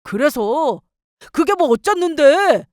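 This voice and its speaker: A woman's voice: high voice, very animated, slow, a little mellow, no room sound, clean studio sound, voice pushed up, exaggerated voice. A woman voicing a petty, defensive young husband who talks in a sneering, dismissive way.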